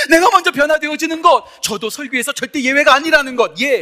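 A man raises and projects his voice. He talks at a very fast pace. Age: 40s. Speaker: pastor. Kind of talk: sermon.

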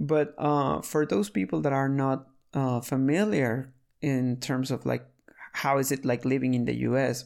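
A woman with a Spanish accent, a very deep, low voice and very even loudness. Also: ordinary pitch variation, fairly slow pace, very clean recording, silent background. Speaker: podcast host. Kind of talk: solo podcast monologue.

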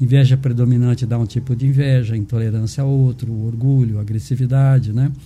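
A man with a medium pitch speaks at a fairly quick pace with hardly any pauses, his voice somewhat breathy, his tone dark and mellow, and his intonation monotone and flat. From northern Paraná, Brazil. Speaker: doctor. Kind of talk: interview. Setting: live stream.

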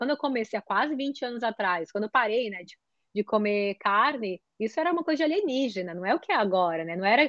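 High-pitched female speech at a fairly quick pace with lively intonation, dry and close with no echo, over a quiet background. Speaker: climate policy expert. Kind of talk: interview.

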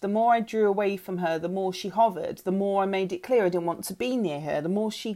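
The pitch moves in an ordinary way throughout an unforced reading voice.

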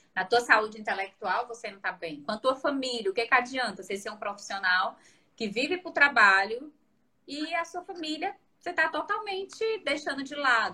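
At a moderate pace, a woman speaks in a high, bright and sharp voice with very wide pitch swings and big swings in loudness. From Brazil, Fortaleza (Ceará). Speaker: psychologist. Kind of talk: casual interview chat.

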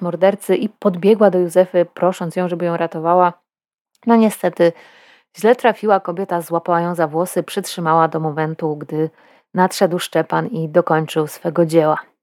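On a very clean recording with a silent background, a woman with a Polish accent speaks in a fairly low pitch with ordinary pitch variation, the sound dry and close with no echo. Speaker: true crime podcaster. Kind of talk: true-crime narration, scripted storytelling. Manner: calm, measured, serious narrator; grave, somewhat judgmental, with commentary on the killer.

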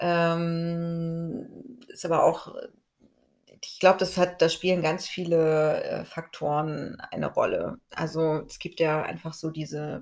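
This woman speaks at a fairly slow pace. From Schwerin, northeastern Germany. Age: 30s. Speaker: podcast co-host. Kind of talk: casual chat. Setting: at home, kitchen table.

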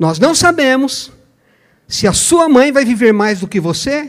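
Very wide pitch swings from a man at a fairly slow pace, in a very clean recording with a silent background. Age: 50s. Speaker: church member, business owner. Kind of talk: testimony.

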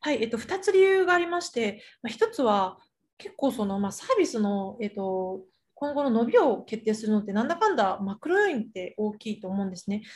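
The voice is somewhat breathy and moves at a fairly quick pace, with very wide pitch swings and big swings in loudness. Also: woman, fairly high pitch for a woman, very clean recording, silent background. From Japan, born in China. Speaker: venture capitalist. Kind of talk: interview.

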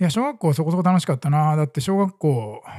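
A man speaks at a fairly quick pace with fairly high pitch and lively intonation. His tone is dark, mellow and somewhat breathy, in a very clean recording with a silent background. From northern Kanto, Japan. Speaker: podcaster. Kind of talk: casual solo talk. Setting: office studio. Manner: casual, rambling.

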